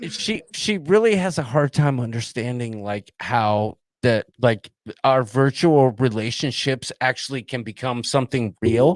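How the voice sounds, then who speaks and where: Recorded with a dry, close sound and no echo, a man speaks in a normal speaking voice at medium pitch with ordinary pitch variation. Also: fairly slow pace. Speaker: cruise show co-host. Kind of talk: casual chat.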